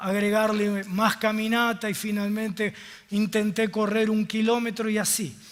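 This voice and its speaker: Speaking fairly slowly, a man uses a high voice. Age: 60s. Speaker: pastor. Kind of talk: sermon.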